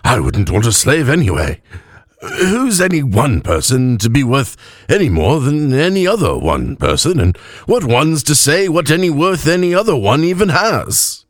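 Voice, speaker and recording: A man voicing an earnest, drunken old elf cleric with slurred, halting speech and an invented elvish accent. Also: on the high side, very animated, no echo, clean studio sound, pitched above the performer's own voice. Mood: rambling, tipsy. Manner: halting, stumbling over words. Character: drunken two-hundred-year-old male elf cleric, earnest, rambling.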